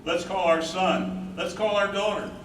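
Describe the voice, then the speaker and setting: A man's voice: high voice, steady tone, measured pace, a bit bright, far from the mic. A man playing an earnest, grieving older husband who cares for his wife, in a dramatic staged play reading. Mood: urgent. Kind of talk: staged play reading, first-person narration. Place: live staged reading in echoey room. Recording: roomy, noisy stage recording from afar.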